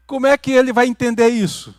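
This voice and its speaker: A Brazilian man preaching a teaching sermon as pastor, building to loud emphatic peaks and dropping to quiet asides, often checking in with his listeners. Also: very high voice, no room sound, clean studio sound. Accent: Brazilian Portuguese. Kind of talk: teaching sermon with questions to the congregation. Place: church hall.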